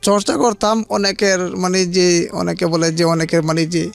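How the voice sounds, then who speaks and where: A man's voice: sits high, flat delivery, unhurried, creaky. A man telling his life story as an interview guest, hesitant and plain-spoken, with frequent restarts. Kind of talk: halting personal storytelling.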